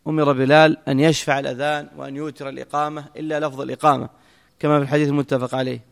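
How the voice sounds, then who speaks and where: A man gives classroom commentary at a rapid clip, his voice gravelly with fry. He explains briskly and breaks into quick asides. The sound rings with a long hall reverb. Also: a little high, little pitch movement. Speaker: teacher explaining a hadith text. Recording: echoey hall.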